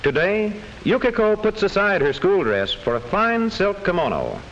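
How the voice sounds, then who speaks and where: Man, classroom film narrator, highly animated melody, slightly high voice, measured scripted storytelling, faint hiss of an old film soundtrack. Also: rough recording.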